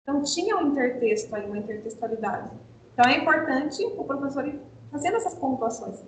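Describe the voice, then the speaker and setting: A woman's voice: animated, fast. Brazilian woman leading online teacher training. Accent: Brazilian Portuguese. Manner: explanatory, asks and answers her own questions. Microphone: video call. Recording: echoey room with faint rumble.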